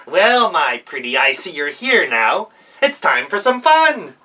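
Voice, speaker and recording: A man's voice: on the high side, very animated, a little slow, sharp tone, recorded from a distance, heavily acted. A man voicing a storybook goblin with a strained, theatrical voice, by turns menacing and desperate. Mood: gloating menace. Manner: exclaiming and stammering in repeats. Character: menacing male goblin, turns frantic and pleading.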